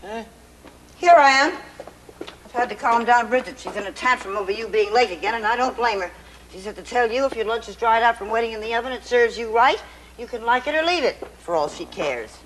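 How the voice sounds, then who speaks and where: A woman's voice: on the high side, lively intonation, fairly quick, slight background noise, natural voice, poor audio. An actress playing a fragile, middle-aged mother who stammers nervously and turns to scolding in a filmed stage drama. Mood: aggrieved. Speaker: mother of the family.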